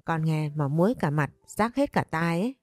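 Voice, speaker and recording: A woman's voice: deep voice, lively intonation, a little mellow, dry recording, clean studio sound. A woman voicing a grown daughter who gossips bluntly and indignantly. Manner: blunt, fast and scolding.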